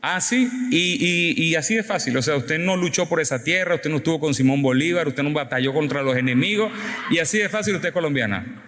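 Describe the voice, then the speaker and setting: A man preaching a sermon, questioning and teasing the congregation in an animated, conversational way. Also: on the high side, brisk. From Venezuela. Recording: long reverb in a hall.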